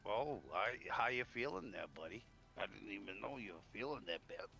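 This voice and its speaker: A man's voice: on the low side, expressive, a little fast, vocal fry, over music. A man talking casually in a folksy, informal way during game roleplay.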